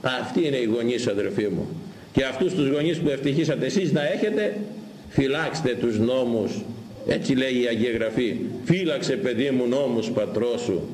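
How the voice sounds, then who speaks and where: An older man, an Orthodox priest, giving a sermon in an animated, scolding way, repeating phrases and reciting scripture slowly. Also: medium pitch, echoey room, a little hiss or hum, low-quality recording. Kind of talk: sermon on Proverbs.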